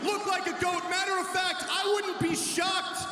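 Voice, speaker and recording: Shouting, taunting man in an echoey arena. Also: very high-pitched, flat delivery, moderate pace. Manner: taunting, insulting, cocky. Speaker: wrestler cutting a promo. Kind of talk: shouted wrestling promo. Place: arena with a live crowd. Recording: echoey arena with loud crowd noise.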